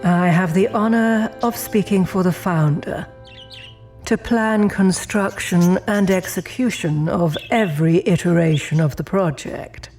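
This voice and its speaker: An actress playing a gracious, formal and faintly eerie architect receiving guests in a horror audio drama. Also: female voice, fairly low pitch, darkish tone, soft background music. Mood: gracious, composed. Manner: formal, poised, unhurried.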